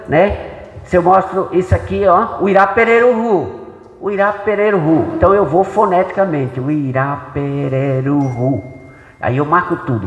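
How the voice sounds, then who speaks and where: A man's voice: a little high, lo-fi sound. Brazilian man lecturing in an echoey church hall. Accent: Brazilian Portuguese. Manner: explanatory, conversational, checks in with rhetorical questions. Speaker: pastor and Bible translator giving a talk. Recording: echoey hall with long reverb.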